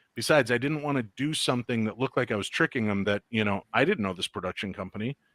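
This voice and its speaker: With a Midwestern US accent, a man with a fairly low pitch talks at a very fast pace and ordinary pitch variation, in a dry, close sound with no echo on a very clean recording with a silent background. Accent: US Midwest. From Illinois. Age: 50s. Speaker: paranormal radio host. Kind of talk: interview. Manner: rambling, chatty.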